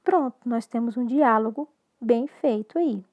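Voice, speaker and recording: Woman, Brazilian Portuguese accent, English teacher, recorded lesson, slow and careful, somewhat high voice. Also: darkish tone, dull audio. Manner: slow and clear, switching between English and Portuguese.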